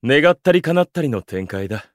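An actor playing an aloof, amused male observer in an audio drama, with pompous, gentlemanly phrasing. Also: medium pitch, sing-song, moderate pace, no echo, clean studio sound, natural voice. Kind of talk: Japanese audio drama acting.

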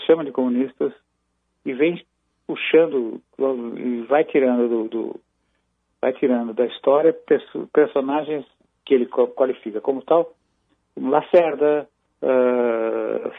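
Calling into a news show, a Brazilian man comments on military affairs through a thin, tinny phone connection. He speaks at medium pitch in a dry, gravelly voice, haltingly and deliberately, often restarting, with no room ambience.

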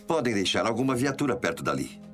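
An actor playing an excitable, loyal male police detective in an audio drama, speaking in a colloquial, expressive way. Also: medium pitch, fast, soft background music, natural voice. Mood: cooperative.

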